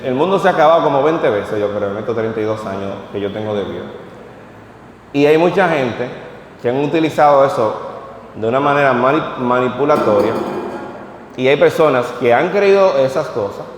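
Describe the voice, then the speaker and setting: Guy in his 30s preaching, reads the bible steady then chats with the church, roomy hall echo. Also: medium pitch, a little fast, a little hiss or hum. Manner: reads scripture steadily, then talks plainly with the congregation. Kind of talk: sermon with scripture reading. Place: church hall at a vigil service. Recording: echoey hall with long reverb.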